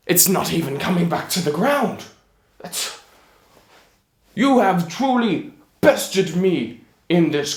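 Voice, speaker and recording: A man voicing a big, stupid, friendly fairy-tale giant with a slow, earnest, emphatic delivery. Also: sits high, heavily acted. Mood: loud, awed. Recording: roomy echo, distant microphone.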